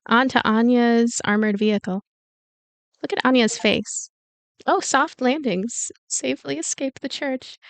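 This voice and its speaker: A woman reading a visual novel aloud in an expressive storytelling way, with casual commentary asides. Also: on the high side, clear, resonant tone, no echo. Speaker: let's play narrator and commentator. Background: game music.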